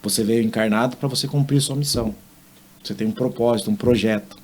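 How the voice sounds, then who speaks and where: A man speaking as a guest on a podcast interview, explaining his work as a therapist in a calm way. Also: mid-range voice, fast. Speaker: interview guest, physiotherapist and hypnotherapist. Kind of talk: conversational interview.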